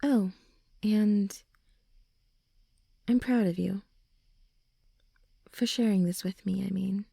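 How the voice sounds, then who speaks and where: A young woman playing a supportive, gently reassuring friend in an ASMR comfort roleplay, speaking softly and soothingly. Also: mid-range voice, fairly even intonation, slow, long pauses, no room sound, clean studio sound, full character voice. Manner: soft, soothing, encouraging, breathy sighs and chuckles.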